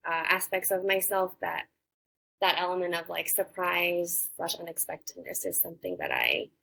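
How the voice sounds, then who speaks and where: A young adult woman talking thoughtfully as a podcast guest, pausing often with fillers and restarts. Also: lowish voice, lively intonation, gravelly, pushed and bright. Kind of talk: casual interview conversation.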